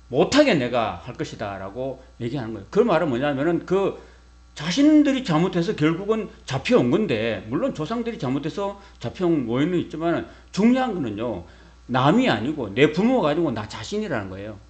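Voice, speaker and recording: Lively middle-aged man preaching conversationally. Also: a little high, brisk. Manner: conversational preaching with rhetorical questions to the congregation. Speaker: pastor. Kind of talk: sermon.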